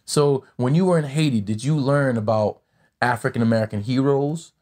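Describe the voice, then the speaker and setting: A podcast host interviews a guest in a conversational way, his voice medium-pitched and a little mellow at a moderate pace. He speaks thoughtfully, asking long questions peppered with plenty of fillers.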